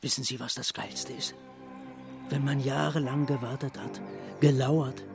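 A man's voice: mid-range voice, fairly even intonation, a little slow, gravelly, over music. A man playing a haughty, menacing upper-class hunter in a radio drama, speaking with condescension. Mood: menacing, savouring. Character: arrogant upper-class hunter, menacing, obsessive murder suspect. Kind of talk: German radio drama acting.

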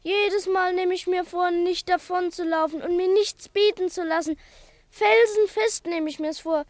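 A woman's voice: very high-pitched, steady tone, unhurried, no room sound. A woman playing a timid schoolboy in a radio play, talking in an earnest, self-reproaching way. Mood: ashamed. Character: timid schoolboy who keeps running away.

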